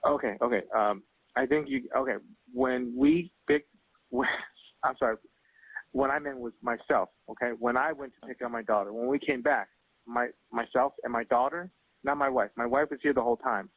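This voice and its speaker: A man making an emergency call over the phone, halting and flustered, repeating himself as he explains. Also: mid-range voice, husky, no room sound. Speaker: emergency caller, father. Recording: noisy, tinny phone line recording.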